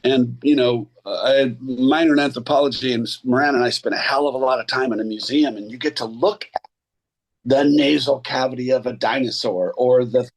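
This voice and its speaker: In a casual interview, a man in his sixties who works as an actor and voice coach tells animated stories and slips into other people's voices. His voice is medium-pitched and a little fast.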